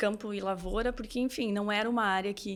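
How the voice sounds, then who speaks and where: A woman with a southern Brazilian accent speaks at a medium pitch. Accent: gaúcho Brazilian Portuguese. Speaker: journalist and agricultural economics researcher. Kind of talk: interview.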